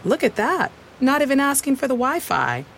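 A woman's voice: high voice, very animated, moderate pace, creaky, slight background noise, heavily acted. A woman playing a contented, wry travelling mother in a conversational commercial. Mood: pleased, wry.

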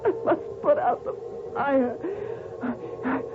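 A tormented tennis champion. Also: female voice, sits high, takes it slowly, over music. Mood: feverish. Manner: feverish, dreamlike monologues. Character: anguished young woman tennis champion, tormented. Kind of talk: 1940s radio acting. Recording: tinny old radio broadcast.

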